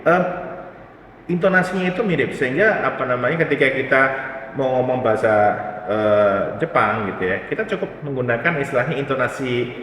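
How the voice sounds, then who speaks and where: A man who is a company CEO, explaining his ideas as an interview guest in a relaxed, unhurried way. He often pauses and reaches for his words. He is recorded from a distance in a reverberant hall, with faint ambient noise behind him. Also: mid-range voice. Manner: thoughtful, many pauses and fillers. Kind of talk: explanatory casual chat.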